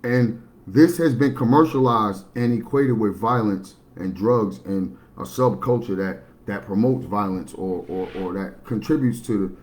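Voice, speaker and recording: A man's voice: unhurried, few pauses, a little mellow. A man, talking bluntly and matter-of-factly in a rambling livestream monologue. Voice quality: baritone. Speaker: livestream host.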